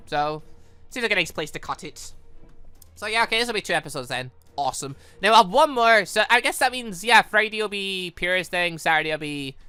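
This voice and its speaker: A gaming channel host giving excited, rambling, exclamatory playthrough commentary, thinking aloud into a close microphone. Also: medium pitch, clear, resonant tone, no room sound.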